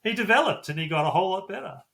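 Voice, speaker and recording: Gravelly-voiced male podcast host. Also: sits high, expressive, racing, fairly bright tone. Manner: conversational, affirming, laughs readily. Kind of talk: casual interview chat.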